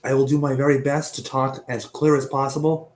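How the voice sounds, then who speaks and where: Here a young man's mid-range voice carries a level tone, moves fairly quickly and sounds a little mellow as he narrates his casual online mystery show. Chatty and slightly profane, he fumbles names, coughs, and is partly losing his voice.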